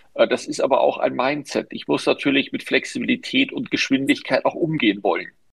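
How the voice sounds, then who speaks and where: Hardly pausing at all, a man speaks at a fairly quick pace. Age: 50s. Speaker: bank executive. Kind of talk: interview. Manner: hesitant with frequent fillers.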